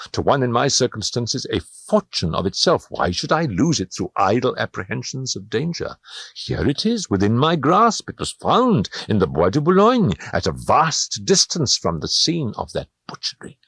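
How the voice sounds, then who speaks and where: A man's voice: medium pitch, vocal fry, fairly bright tone, husky, no room sound, heavily acted. A man voicing a poor, anxious male sailor who talks himself into a risky plan, reasoning aloud. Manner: self-persuading, reasoning aloud. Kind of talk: audiobook reading.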